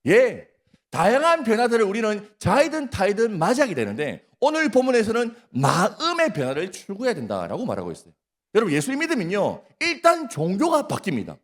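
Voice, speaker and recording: A man's voice: high voice, huge pitch swings, brisk. A male pastor with a Gyeongsang accent preaching a sermon at a prayer meeting, often putting questions to the congregation and teasing them. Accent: Gyeongsang Korean. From Gyeongsang region, Korea. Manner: questions the congregation, prompts replies, jokes. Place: church.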